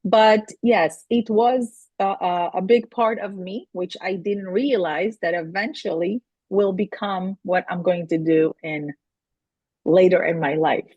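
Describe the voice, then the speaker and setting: A middle-aged woman from Israel talks earnestly as an interview guest, restarting phrases as she goes. Her voice sits low for a woman. The sound is dry and close. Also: unhurried, a little mellow, no room sound, dull audio. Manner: earnest, with frequent restarts and non-native phrasing. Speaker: guest, astrology and feng shui consultant. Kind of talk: interview answers.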